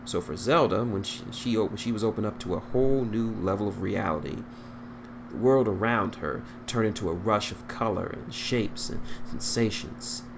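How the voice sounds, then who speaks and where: A man's voice: on the low side, normal speed, gravelly. A man reading fan fiction aloud as an amateur narrator, stumbling over words, on a noisy recording.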